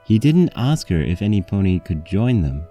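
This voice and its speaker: A man's voice: low voice, big pitch swings, normal speed, mellow, faint music behind. A man reading a scripted story aloud as its narrator.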